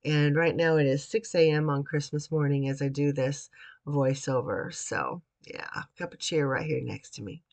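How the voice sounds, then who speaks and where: A woman host narrating a card-making tutorial voiceover at her home craft desk, sounding raspy and stuffy from a cold, chatty and rambling with frequent restarts. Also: sits low, moderate pace, darkish tone.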